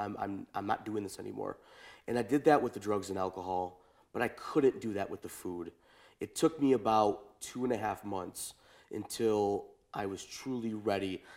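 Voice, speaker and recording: Recorded very cleanly against a silent background, a man with a plain, everyday voice speaks at a moderate pace, fairly low in pitch, with ordinary pitch variation. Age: 20s. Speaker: guest sharing weight-loss and recovery story. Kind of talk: casual interview. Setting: living room couch.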